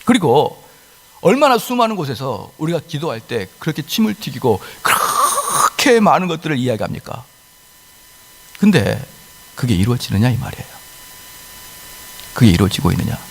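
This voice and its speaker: A man's voice: mid-range voice, huge pitch swings, moderate pace, pauses often, slightly rough. Male pastor, sermon, emphatic rhetorical questions, lingering hall echo. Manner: emphatic preaching with rhetorical questions and acted-out quotes. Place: church sanctuary.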